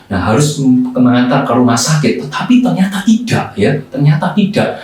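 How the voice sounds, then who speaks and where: A man telling a Sunday school story for kids, animated and acting out voices, often tagging lines with "ya". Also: mid-range voice, normal speed, faint music behind. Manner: animated, acts out voices, repeats "ya". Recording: echoey hall, distant mic.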